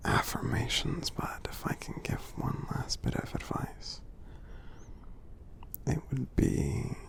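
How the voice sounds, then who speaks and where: A man voicing a kindly, encouraging giant for ASMR affirmations, in a soothing, breathy, gravelly whisper. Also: mid-range voice. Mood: gentle, advising. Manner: slow, soothing, gently earnest. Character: kindly giant friend, gentle, reassuring, encouraging.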